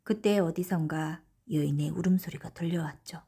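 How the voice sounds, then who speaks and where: A woman narrating a folktale audiobook for bedtime, in a gentle, breathy storytelling manner. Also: sits low, moderate pace.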